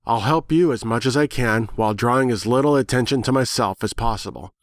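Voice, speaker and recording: A man acts out a snarky talking she-bird from a fantasy story. She speaks in measured, formal phrases with cryptic, condescending superiority. The recording is close and dry. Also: medium pitch, no echo, lightly acted. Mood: matter-of-fact. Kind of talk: dramatic reading of fan fiction.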